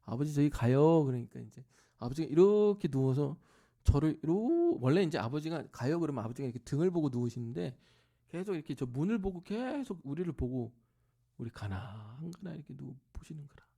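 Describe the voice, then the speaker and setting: His voice a little high and creaky, a middle-aged pastor talks fast while telling a personal family story during a sermon in a church sanctuary. He performs his family members' voices in lively bursts and sinks to a near-whisper at tender points.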